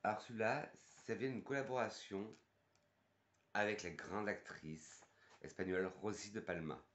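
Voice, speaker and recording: Chatty French perfume vlogger, lowish voice. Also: male voice, fairly even intonation, moderate pace, a bit bright, dull audio. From France. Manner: chatty, thinks aloud with fillers and restarts. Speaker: perfume youtuber and sales advisor. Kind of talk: casual perfume review, reading box texts aloud.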